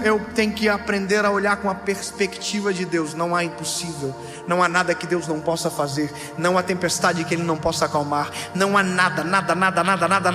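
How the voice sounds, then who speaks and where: Music is clearly audible beneath this sermon, which rings through a large hall with long reverb. The preacher, a man in his thirties with a light, high voice, veers from playful remarks to near shouts.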